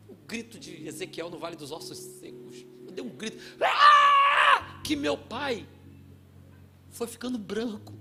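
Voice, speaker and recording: A man from Brazil preaching a sermon in a church, telling a story with acted-out voices and shouts. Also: high voice. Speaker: pastor.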